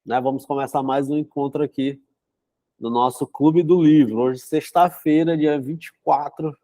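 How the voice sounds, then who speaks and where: A man's voice: on the high side, steady tone, normal speed, dark tone, no room sound. Stuffy-nosed man chatting. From São Luís, Brazil. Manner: chatty, filler-heavy, frequent "né?". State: congested with a cold, runny nose. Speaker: psychotherapist hosting a book club. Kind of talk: casual live-stream talk and reading aloud.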